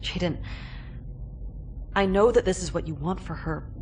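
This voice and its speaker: A woman playing a calm, cautioning young warrior in a video game cutscene, speaking seriously. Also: lowish voice, measured pace, a little hiss or hum. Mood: grave warning. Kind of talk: dramatic game cutscene acting.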